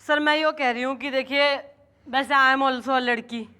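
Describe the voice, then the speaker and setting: A bossy, no-nonsense female officer mixes broken English into her lines. Her voice is high and direct, with sitcom timing. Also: fairly even intonation, a little slow, sharp tone, smooth. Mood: helpful. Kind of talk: sitcom acting.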